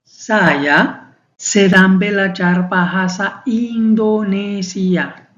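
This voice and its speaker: Woman in her 30s, drills words super slow over and over, roomy dull recording. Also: mid-range voice. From Mexico. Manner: slow, deliberate drilling with many repetitions. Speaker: foreign student teaching a beginner class. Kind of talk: beginner language lesson.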